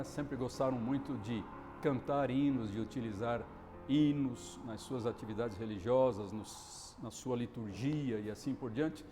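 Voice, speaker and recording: A man explaining history in a measured, lecturing way during an interview. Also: mid-range voice, mellow. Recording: reverberant hall with faint music.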